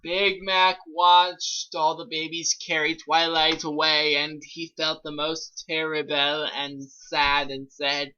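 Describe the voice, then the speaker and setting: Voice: medium pitch, little pitch movement, takes it slowly, few pauses, sharp tone, smooth, muffled recording. A co-reader giving a hammy, theatrical dramatic reading of fan fiction, with joking commentary.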